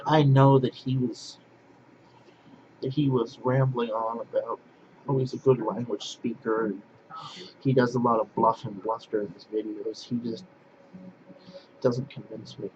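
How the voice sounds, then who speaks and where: Halting, rambling man, lo-fi recording. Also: mid-range voice, little pitch movement. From northwest Pennsylvania. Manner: halting, repeats and restarts phrases. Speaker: language vlogger. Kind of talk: rambling monologue to camera. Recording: dull lo-fi sound with clear background noise.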